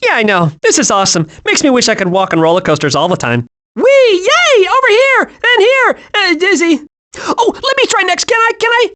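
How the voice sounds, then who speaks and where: Scatterbrained kiddy squirrel for a cartoon game, super high, voice jumping all over. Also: male voice, normal speed, exaggerated voice. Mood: giddy, excitable. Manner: excitable, naive, wide-eyed. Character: hyperactive, childlike, scatterbrained young male squirrel. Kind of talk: animated video game voice acting.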